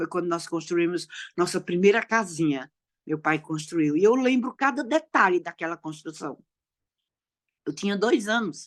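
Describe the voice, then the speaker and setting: A woman's fairly low voice with lively intonation, a fairly slow pace and long, frequent pauses, in a dry, close sound with no echo. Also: quiet background. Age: 60s. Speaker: church speaker. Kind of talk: sermon.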